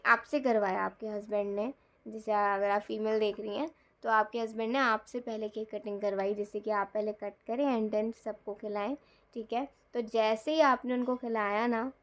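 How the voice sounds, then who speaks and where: Woman tarot reader, chatty storyteller, slightly high voice, acts out dialogue. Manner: chatty, animated, acts out quoted lines, laughs often. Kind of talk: casual storytelling tarot reading.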